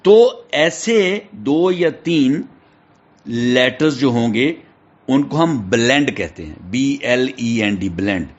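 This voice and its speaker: Male teacher, Pakistani accent, spells words slowly, muffled lo-fi recording. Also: mid-range voice, expressive. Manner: spells words letter by letter, checks in with "theek hai". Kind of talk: classroom lecture. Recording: dull lo-fi recording.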